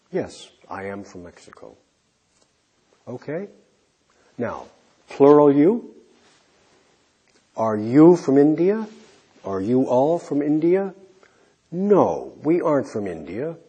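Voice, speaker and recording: A man teaching an English lesson, slowly modelling questions and answers for learners. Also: medium pitch. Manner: modelling example answers clearly, trailing off softly. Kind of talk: slow, deliberate classroom instruction.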